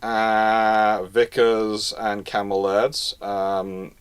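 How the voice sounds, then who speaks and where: A man hosts a live Q&A, responding to audience questions with relaxed, knowledgeable history talk. His fairly low voice is monotone, clear and resonant, with drawn-out words, and he keeps restarting and repeating phrases.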